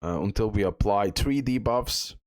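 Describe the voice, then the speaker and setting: A man's voice: on the low side, moderate pace, a little mellow, dry recording, studio quality. A man giving a casual gameplay walkthrough as a guide host, thinking aloud as he goes. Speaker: gaming guide creator, host.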